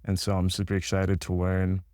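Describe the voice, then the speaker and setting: A man's voice: sits low, moderate pace, clean tone, no echo, clean studio sound. A young man from Congo, a student organizer, talking casually and a little hesitantly in an interview. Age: young adult. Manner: relaxed, hesitant with many ums.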